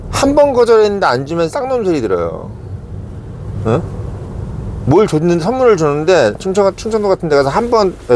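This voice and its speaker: A middle-aged man giving casual political commentary. He talks in short bursts, checks in with his listeners every few lines, and slows down to stress key words. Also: sits high, a little mellow, a little hiss or hum. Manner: talks in short bursts, keeps asking "응?" and "어?" for agreement.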